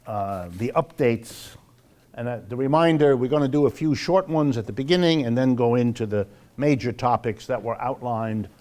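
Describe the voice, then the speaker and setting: An older man speaks as the host of a public lecture. His voice sits at a medium pitch. He is deliberate and emphatic, stretching stressed words and letting asides fall away. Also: a little mellow. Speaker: host and lecturer of an economics program. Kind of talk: public lecture with announcements, spoken to a live audience.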